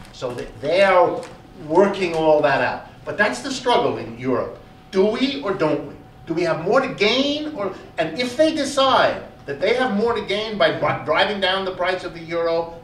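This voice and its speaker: Male lecturer, fairly high and very lively delivery, emphatic, heard from afar in an echoey hall. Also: slight background noise. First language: German. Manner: animated, emphatic lecturing with repeated words. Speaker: economics lecturer. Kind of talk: public lecture. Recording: echoey hall, recorded from far off.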